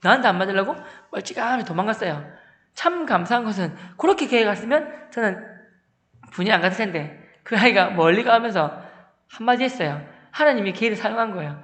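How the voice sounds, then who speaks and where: A man gives a humorous testimony as a church deacon. He acts out every exchange in lively storytelling, jumping into loud outbursts, and his voice sits unusually high. A church hall around him adds a long, roomy reverb. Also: a little fast.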